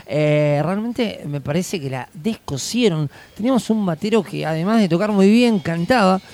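A man's voice: high voice, expressive, moderate pace, darkish tone. A man with an Argentine accent hosting a live music broadcast from a venue, chatting enthusiastically in a casual, slangy way. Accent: Argentine Spanish. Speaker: radio show host.

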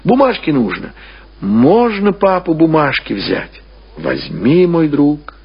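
A male reader performs a sanctimonious landowner father from a classic novel. He laments unctuously and piously, stretching out his exclamations in a husky, slow voice. The recording is dull, like old radio. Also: on the high side, very animated, full character voice. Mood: mawkish lament. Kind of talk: dramatised literary reading.

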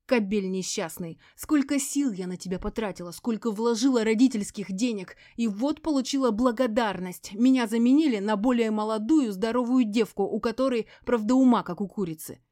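A woman reading an audiobook voices a furious, spiteful ex-wife who hisses and yells, her voice breaking into shrieks. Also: medium pitch, brisk, dry recording, studio quality, lightly acted. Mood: venomous, screaming. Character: furious embittered ex-wife, spiteful poisoner, screaming.

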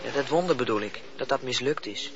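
An actor playing a timid bedridden young man who reads haltingly, stumbling with hesitant fillers in a radio play. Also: mid-range voice, a crowd in the background, lightly acted. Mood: troubled. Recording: dull lo-fi old radio recording.

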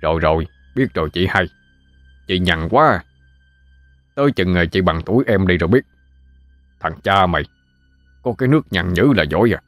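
A man's voice: low voice, expressive, normal speed, long pauses, a bit bright, no room sound, soft background music. A man voicing a weary Southern village father. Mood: wry grumbling. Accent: Southern Vietnamese. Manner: wry, grumbling, turning frantic. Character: weary middle-aged village barber father.

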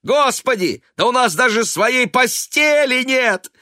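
Reader doing a desperate bitter son, strained, pleading, dry close voice. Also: male voice, very high-pitched, animated, slow pace, pushed and bright, dry recording, pitched above the performer's own voice, full character voice. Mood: frantic. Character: anguished young adult son, bitter and desperate. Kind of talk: audiobook character voice.

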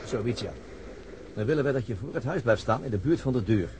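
An actor playing a weary, matter-of-fact senior detective, dry and methodical, in a radio drama. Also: male voice, mid-range voice, lively intonation, brisk, natural voice. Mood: instructing. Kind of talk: Dutch radio drama acting. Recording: noisy old radio drama recording.

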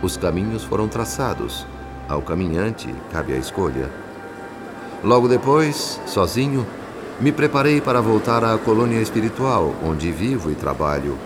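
An actor with a Brazilian accent playing a gentle, reflective spirit who narrates a radio drama in a measured, solemn way. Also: male voice, on the low side, expressive. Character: gentle, reflective male spirit narrator telling a family's story. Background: background music.

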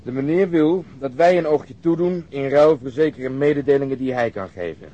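An actor playing a sardonic police detective in a Dutch radio drama, telling things in a dry, ironic way. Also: male voice, mid-range voice, normal speed, mellow, lightly acted. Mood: dryly ironic. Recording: muffled radio drama recording.

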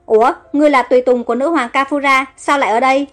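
A woman's voice: high voice, fairly even intonation, fast, fairly bright tone. A woman voicing a proud young male emperor who sounds flustered.

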